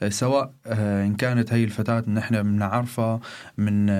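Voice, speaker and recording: Here a man speaks in a dark, mellow tone. His intonation is monotone and flat. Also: very clean recording, silent background. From Syria. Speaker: refugee, former English teacher. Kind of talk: radio interview testimony. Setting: studio.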